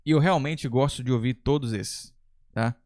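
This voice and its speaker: A man who teaches English gives casual, chatty commentary with the odd bit of slang. His voice sits at an ordinary middle pitch. The recording is close and dry, with no room echo. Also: moderate pace. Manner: relaxed, chatty, with occasional slang. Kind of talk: casual tier-list commentary.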